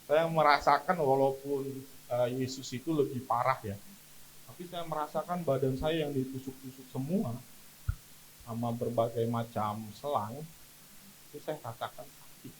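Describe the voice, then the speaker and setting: A man's voice: medium pitch, normal speed, slight background noise, poor audio. A man preaching a sermon as pastor at a church service, telling stories with emphatic delivery.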